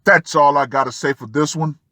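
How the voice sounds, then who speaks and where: A man giving opinion commentary as an online host, emphatic and fond of dramatic pauses. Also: on the high side, bright, forceful tone, dry recording, studio quality. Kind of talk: opinion commentary on a Reddit post.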